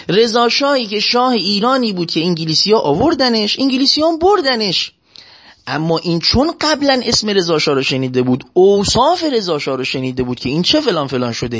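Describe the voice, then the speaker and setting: A man preaching a sermon, telling a story in an animated way and slowly chanting scripture. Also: high-pitched, breathy edge. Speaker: religious preacher.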